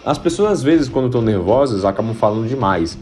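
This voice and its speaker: A man's voice: medium pitch, animated, fast talker, darkish tone, faint music behind. Man coaching viewers in a direct tone. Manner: direct, explanatory, addresses viewer. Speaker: self-improvement coach. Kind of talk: instructional video talk.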